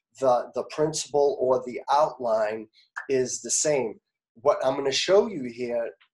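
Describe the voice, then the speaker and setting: At a fairly slow pace, a man talks with a medium pitch and ordinary pitch variation. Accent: Boston. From US Northeast, Boston area. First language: Portuguese. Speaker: online business coach. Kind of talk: webinar training. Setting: live webinar.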